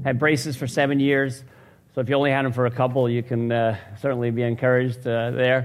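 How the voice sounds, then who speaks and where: With audible room echo around him, a man talks very fast at a medium pitch in a monotone, flat intonation. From US Northeast, Long Island, New York. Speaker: missionary. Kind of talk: sermon. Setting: church. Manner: halting, many fillers.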